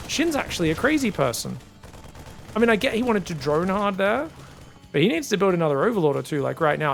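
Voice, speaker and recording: High-pitched, creaky-voiced male esports commentator. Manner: animated, informal, addresses viewers as guys. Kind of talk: casual live game commentary.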